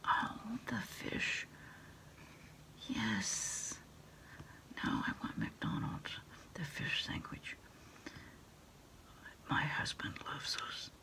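A middle-aged woman in a quiet ASMR roleplay as an order taker, murmuring in a halting, breathy whisper. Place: small indoor room at a desk.

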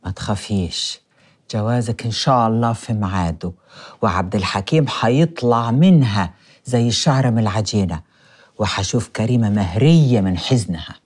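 An actress playing a scheming, vengeful middle-aged village matriarch, gloating and sly. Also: female voice, rumbling low, brisk, darkish tone, slightly rough. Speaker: mother-in-law. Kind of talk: TV drama acting. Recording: faint music score behind.

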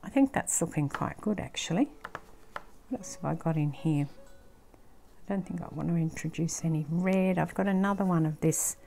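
An older woman with an Australian accent, casually thinking aloud as she works on a craft project, sometimes dropping into a soft near-whisper. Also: on the low side, normal speed, gravelly, slight background noise. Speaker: craft channel host. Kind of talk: casual craft-along commentary. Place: indoor craft table, filmed from overhead.

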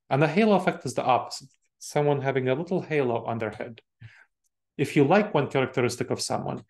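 A man's voice: medium pitch, gravelly, darkish tone. A man in his forties with an Eastern European accent, from Moldova, giving an online talk to professionals from a home office with bookshelves, chatty and engaging with a live chat. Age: 40s. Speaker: speaker. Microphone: webcam video call with earbuds.

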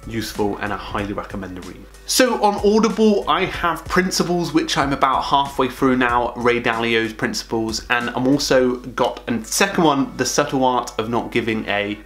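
A man's voice: mid-range voice, moderate pace, hardly any pauses, soft background music. A young man talking to camera from a small home office, sharing monthly recommendations in a chatty, upbeat way and lifting his voice at each new item. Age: young adult. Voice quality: calls his own voice monotone. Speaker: productivity vlogger. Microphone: camera close up at desk.

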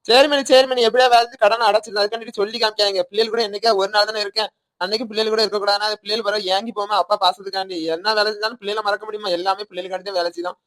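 A man voicing an idle village husband in debt, talking fast and defensively with a Tirunelveli Tamil accent, in an animated cartoon. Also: high voice, dry recording.

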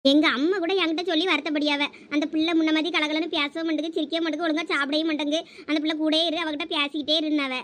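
Woman for a fast-talking, teasing young village cousin, Thoothukudi Tamil accent, high voice. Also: little pitch movement, a bit bright. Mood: coaxing. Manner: quick, bossy, teasing. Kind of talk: comedy skit acting.

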